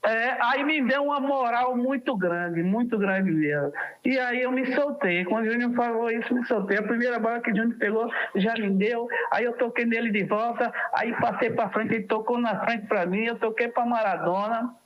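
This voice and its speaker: Very high-voiced Northeastern Brazilian man. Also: normal speed, highs cut off. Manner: animated storyteller who acts out quoted dialogue. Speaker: former footballer guest. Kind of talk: casual storytelling interview.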